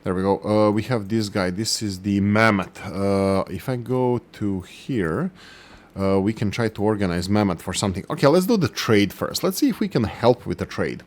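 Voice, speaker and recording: A man's voice: lowish voice, animated, moderate pace. A man hosting a gaming channel, giving gameplay commentary and thinking aloud as he works through production numbers.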